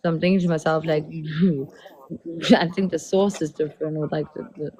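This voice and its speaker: A woman's voice: deep voice, steady tone, moderate pace, warm tone, a little hiss or hum. A woman in her thirties from South Africa, hosting a casual livestream chat, laid-back and laughing as she tells stories. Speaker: livestream host.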